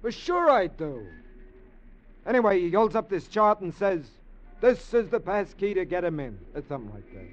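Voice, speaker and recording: This actor portrays a scheming, eager petty burglar using pushy street slang in a 1950s radio play. His high-pitched voice swings widely in pitch at a moderate pace, captured on a dull old radio recording.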